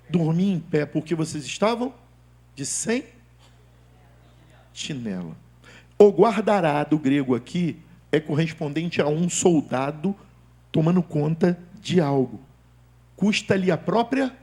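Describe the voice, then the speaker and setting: An older man with a Brazilian accent, a pastor preaching a sermon full of personal stories, swinging from loud bursts to hushed asides. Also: fairly high pitch, slightly rough. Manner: animated, jumps between loud outbursts and hushed asides. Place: church.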